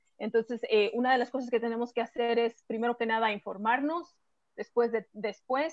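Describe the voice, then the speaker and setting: Speaking in a Mexican accent, a woman has a high pitch. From Mexico, Guanajuato. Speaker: nonprofit board member. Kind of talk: interview. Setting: video call. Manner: halting.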